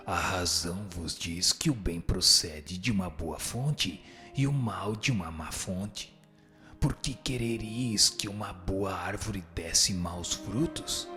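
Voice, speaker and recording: Deep, slow, solemn spirit teacher, played by a man. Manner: solemn, measured, didactic. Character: grave male spirit teacher, solemn and admonishing. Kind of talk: scripted audio drama reading of a spiritual text.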